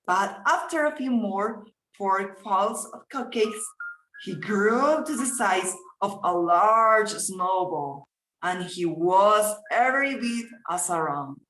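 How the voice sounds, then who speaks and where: A woman reading a scripted fairy tale as storyteller, in a halting, deliberate manner. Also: medium pitch, animated, fairly bright tone, a little hiss or hum. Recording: echoey, roomy sound.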